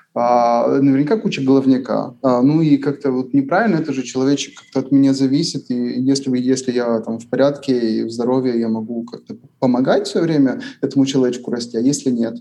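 A man with a Transcarpathian accent talks at a fairly quick pace in a dark, mellow tone. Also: medium pitch for a man, ordinary pitch variation. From Carpathians, Transcarpathia (Ukraine/Hungary area). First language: Rusyn (speaking Russian). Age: 30s. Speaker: IT business owner, father. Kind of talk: casual interview. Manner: halting.

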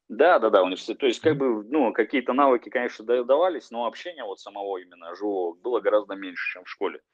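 At a very fast pace, a man speaks with lively intonation at a medium pitch. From Russia, Novosibirsk. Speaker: banker and startup co-founder. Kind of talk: casual interview.

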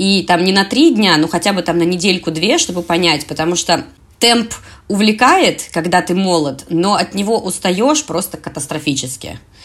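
An unremarkable speaking voice goes at a moderate pace with lively intonation. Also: woman. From Russia. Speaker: podcast co-host. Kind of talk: casual chat.

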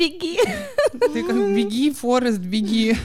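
The speaker is a woman talking at a moderate pace. Noticeable background noise can be heard. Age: 20s. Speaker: divorced mother sharing her story. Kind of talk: casual chat.

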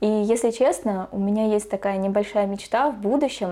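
Her tone dark and mellow, a woman speaks at a medium pitch. She keeps a moderate pace and fairly even intonation. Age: 20s. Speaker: life coach. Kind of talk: casual interview chat.

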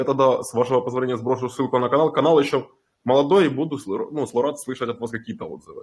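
Words pour out of the man very fast. His voice sits at a medium pitch. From Ukraine. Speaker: crypto community member, channel creator. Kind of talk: casual question in group voice chat. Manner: halting.

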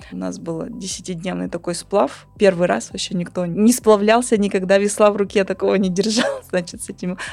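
A woman with a plain, everyday voice talks at medium pitch and moderate pace, with fairly even intonation, hardly any pauses and big swings in loudness. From Russia, Arkhangelsk region (Northern Dvina delta). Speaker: biologist and university lecturer. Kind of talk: interview. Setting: studio.

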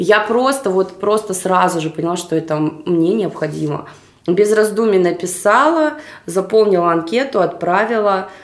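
A woman speaks at a moderate pace with ordinary pitch variation. Audible room echo and noticeable background noise fill the recording. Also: medium pitch for a woman. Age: 20s. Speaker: reality TV show participant and blogger. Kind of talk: casual interview. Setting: hotel suite studio.

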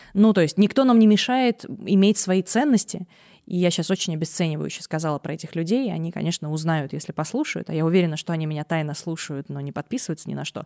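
A woman's fairly low, dark, mellow voice at a very fast pace, with lively intonation, in a very clean recording with a silent background and a dry, close sound with no echo. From Zabaykalsky Krai, Russia. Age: 30s. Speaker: sex educator and psychologist. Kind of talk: casual interview chat.

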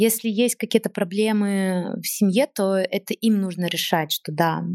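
A woman with a plain, everyday voice at medium pitch and ordinary pitch variation, recorded very cleanly with a silent background and a dry, close sound with no echo. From northern Russia, Vologda region (small town). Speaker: fashion designer and brand founder. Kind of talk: casual interview conversation. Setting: in her own clothing salon.

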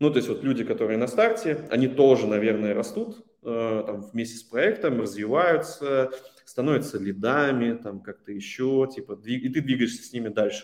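At a moderate pace, a normal speaking voice shows ordinary pitch variation and big swings in loudness. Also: man, medium pitch for a man. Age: 30s. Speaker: startup founder. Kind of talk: casual interview.

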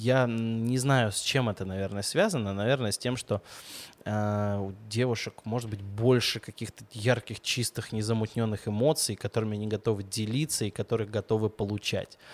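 A man's ordinary speaking voice at a moderate pace, with a dry, close sound, no echo, and a very clean recording with a silent background. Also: fairly low pitch for a man, fairly even intonation. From Moscow region, Russia. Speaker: comics editor and film producer. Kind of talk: casual chat. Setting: comic shop.

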